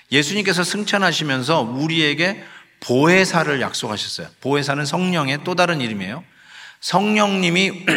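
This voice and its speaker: A male pastor with a fairly high, bright and forceful voice, preaching in an easy, conversational way and mixing in English phrases. His sermon rings out with a long reverb, as if recorded in a large church sanctuary. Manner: acts out sighs and scolding quotes.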